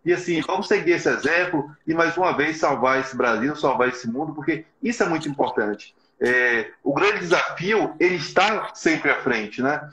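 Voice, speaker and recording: A man's voice: a little high, normal speed, few pauses, sharp tone. A middle-aged man hosting a motivational live webinar, earnest and exhorting, often adding short tag questions. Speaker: live stream host for a business support agency. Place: small plain room indoors. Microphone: video call, device in front of him. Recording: echoey, slightly dull video call audio.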